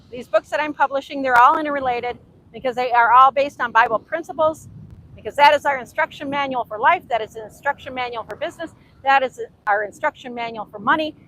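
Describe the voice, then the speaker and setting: On a beach, a Hungarian-accented woman whose first language is Hungarian talks earnestly to camera about faith as a motivational author and host. Her voice is high-pitched, brisk and a bit bright; she often repeats herself and overpronounces carefully. The recording is low quality.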